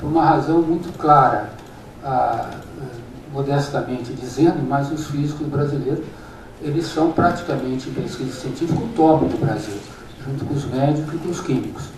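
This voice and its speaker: A man with fairly high pitch talks at a moderate pace, with fairly even intonation and long, frequent pauses. Noticeable background noise and audible room echo surround him. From Brazil, southern Minas Gerais. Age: 60s. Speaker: physicist, professor. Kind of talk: conference talk. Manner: halting, with fillers.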